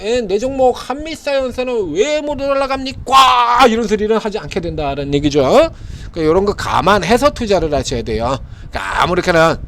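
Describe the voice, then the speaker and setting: A man giving an informal stock market analysis in an emphatic, repetitive way, keeps tossing in rhetorical "eh?" questions to the viewer. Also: sits high.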